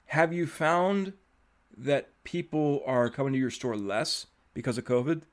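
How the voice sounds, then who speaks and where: A young adult man hosts a podcast in an easygoing, conversational way. His voice sits at an ordinary middle pitch, and his sentences often fade out softly at the end. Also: expressive, a little slow. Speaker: podcast host. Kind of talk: casual interview chat.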